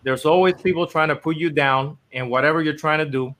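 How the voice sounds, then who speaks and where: A man's voice: on the high side, a little fast, a bit bright, a little hiss or hum. A man from the Dominican Republic, a company founder, telling his story in a casual, earnest, rambling interview with many fillers.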